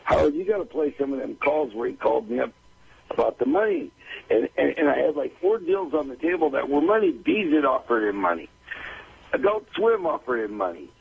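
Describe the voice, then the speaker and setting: Very raspy, gravelly man on a call-in. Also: mid-range voice, lively intonation, fairly quick. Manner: emphatic, repetitive, profane. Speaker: call-in guest and manager. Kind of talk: casual argumentative chat. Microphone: call-in line. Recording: dull, dry radio call-in audio.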